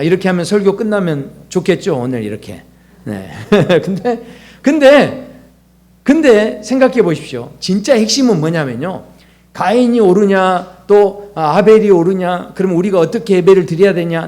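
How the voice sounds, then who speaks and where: A man's voice: high-pitched, darkish tone. A male pastor delivering a conversational sermon, asking rhetorical questions and acting out quoted dialogue.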